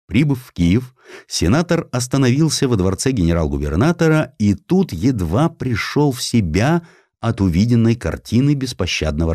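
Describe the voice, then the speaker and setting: A man's voice: lowish voice, darkish tone, dry recording, studio quality. A man narrating historical sketches as an audiobook, with wry, theatrical expression. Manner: wry, theatrical storytelling with acted quotes.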